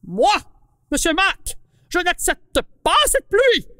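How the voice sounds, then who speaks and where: A woman's voice: very high-pitched, sing-song, slow pace, fairly bright tone, in a large hall, pitched above the performer's own voice, exaggerated voice. A woman voicing a grumpy male apple who hates the rain, indignant and exclaiming.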